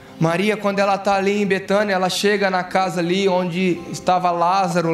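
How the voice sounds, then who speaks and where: There is noticeable background noise and audible room echo. A man speaks at a high pitch and a fairly quick pace. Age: 20s. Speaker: pastor. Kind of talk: sermon. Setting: church. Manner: animated.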